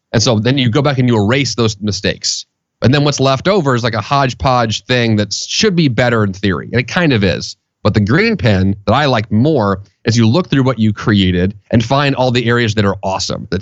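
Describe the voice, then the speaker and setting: Using a plain, everyday voice, a man speaks at a medium pitch with an American accent. His pace is fairly quick, his loudness very even, and his pitch variation ordinary. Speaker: author and productivity guest. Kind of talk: podcast interview. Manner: conversational, casual.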